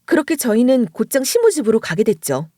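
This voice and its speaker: Woman narrating a dramatic story, very expressive. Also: on the high side, a little fast, no room sound, clean studio sound. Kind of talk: dramatized first-person story reading.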